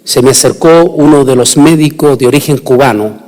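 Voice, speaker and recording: A man's voice: medium pitch, normal speed, darkish tone. Man preaching in an echoing hall. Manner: emphatic, rising and falling delivery with restarts. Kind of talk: sermon. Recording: long hall reverb.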